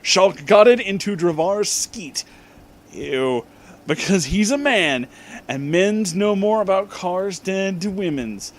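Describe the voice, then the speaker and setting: A man's voice: high voice, animated. A man reading fan fiction aloud as a comedic dramatic reading, pronouncing the misspellings just as written and adding asides. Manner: deliberately reads misspellings as written.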